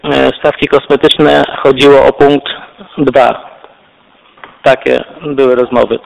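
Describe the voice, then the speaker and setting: A city councillor making a halting speech, full of filler sounds and self-corrections. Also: male voice, mid-range voice, flat delivery, gravelly, slight background noise, rough recording.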